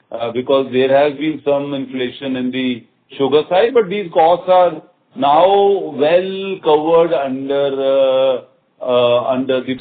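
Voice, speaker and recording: A man with an Indian accent speaking as a company executive on an earnings call, halting and repeating phrases as he answers in a semi-formal business style. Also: medium pitch. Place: conference call. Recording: muffled conference phone line.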